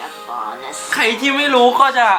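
Man, casual countdown host, giggly, squeaky when excited, echoey room, background music. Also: slow pace. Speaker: YouTube host. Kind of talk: casual chatty countdown review.

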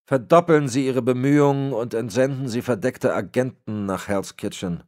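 A man voicing a frail, cold old crime boss who gives orders in a raspy voice. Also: medium pitch, moderate pace, darkish tone, voice pushed up, close to an everyday voice. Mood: icy. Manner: cold, commanding. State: raspy, cracking voice.

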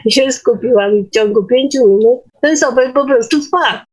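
A woman's voice: high-pitched, moderate pace, poor audio. A woman taking part in an online meeting, casually telling personal stories in a plain-spoken, conversational way. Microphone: online call microphone.

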